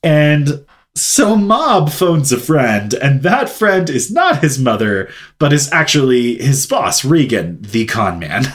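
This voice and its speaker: A man's voice: mid-range voice, slow pace. Chatty man recapping an anime. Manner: animated, chatty, thinking aloud. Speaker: podcast co-host. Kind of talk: casual anime recap chat.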